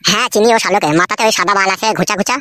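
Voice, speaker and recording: A woman's voice: medium pitch, racing, noisy background, close to an everyday voice. A woman voicing a foul-mouthed, scheming young village husband in a cartoon comedy. He is crude and quarrelsome. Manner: crude, quarrelsome, wails when beaten.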